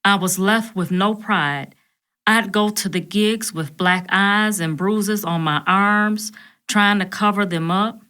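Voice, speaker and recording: A woman voicing a hurt, fragile singer, speaking in a slow drawl through tears. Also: medium pitch, sharp tone, clear, resonant tone. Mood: sorrowful. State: tearful.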